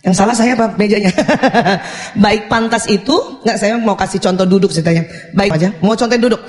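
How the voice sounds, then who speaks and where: A woman with an Indonesian accent giving a lively sermon on parenting, acting out parent-child exchanges with humor. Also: mid-range voice, a little fast. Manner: animated, acts out parent-child dialogues with humor. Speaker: Islamic parenting preacher. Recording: echoey hall with long reverb.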